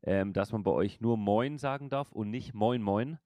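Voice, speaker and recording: A man in his thirties, a podcast host and streamer, speaks at a moderate pace in a fairly low, warm voice with no echo. He hosts a casual podcast chat, rambling, laughing often and swearing loosely.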